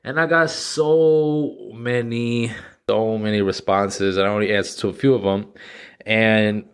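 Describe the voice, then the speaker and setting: A man in his thirties talking casually and profanely to his audience in an animated, slangy rant. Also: on the low side, unhurried, clear, resonant tone. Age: 30s. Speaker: vlogger. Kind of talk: casual monologue to camera.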